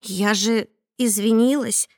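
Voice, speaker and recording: A woman voicing a meek female friend who apologizes softly. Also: fairly high pitch, steady tone, slow, no echo, clean studio sound. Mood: apologetic. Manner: soft, apologetic.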